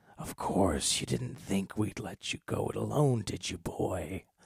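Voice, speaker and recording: A man speaks in a put-on character voice with a raspy edge. His pace is fairly slow. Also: fairly low pitch for a man. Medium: read story. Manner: gravelly and menacing.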